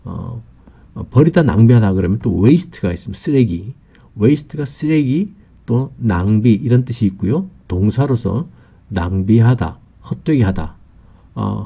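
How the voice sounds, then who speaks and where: Guy teaching english words, low mellow voice, kinda husky, slow and patient with lots of uh's. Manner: slow and patient, many "어" fillers, lists meanings one by one. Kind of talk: explanatory lesson, unscripted.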